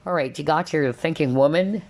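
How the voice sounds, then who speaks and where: A woman's voice: deep voice, brisk, darkish tone. A woman reading tarot cards in a casual, spiritual style, often checking in with little tags like okay and all right. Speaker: tarot card reader, host.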